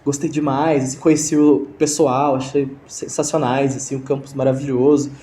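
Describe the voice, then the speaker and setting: A man's voice: medium pitch, flat delivery, moderate pace, warm tone, reverberant, a little hiss or hum. A young Brazilian man telling a story in a casual interview, hesitant, with many restarts and fillers, over a video call. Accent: Brazilian Portuguese. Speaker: interview guest.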